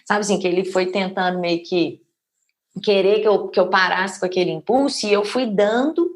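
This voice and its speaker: A woman's voice: medium pitch, normal speed. A woman from Brazil co-hosting a podcast in a thoughtful casual chat. She searches for words and tags her sentences with little questions. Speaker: podcast co-host.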